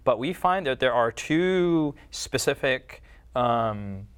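A man's voice: medium pitch, lively intonation, slow, clean tone. A man hosting a casual Bible study discussion, musing aloud and often rephrasing himself. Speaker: discussion host.

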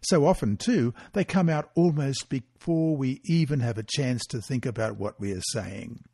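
A man reading a weekly Bible study lesson and mission story aloud, in a measured, expressive way. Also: medium pitch, breathy edge, no room sound, clean studio sound.

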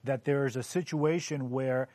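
A man on a Bible discussion panel, speaking thoughtfully and reading scripture aloud at a measured pace. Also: mid-range voice, steady tone, mellow, no room sound.

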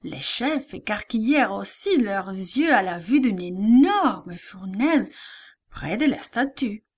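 A woman narrating a children's Bible story in an expressive, deliberate reading. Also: mid-range voice, breathy edge.

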